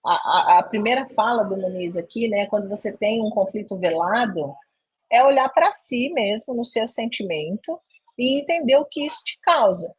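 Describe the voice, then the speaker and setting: A middle-aged woman with a mid-range, slightly breathy voice talks at a normal speed during a leadership webinar. She tells an animated story from her own working life and acts out the dialogue in it.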